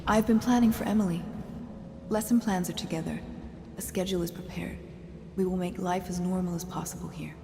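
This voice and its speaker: A woman playing a kind, orderly caretaker who speaks softly and soothingly in a video game cutscene. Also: fairly low pitch, steady tone, fairly quick, vocal fry, big-room sound, noisy background. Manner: soft, soothing.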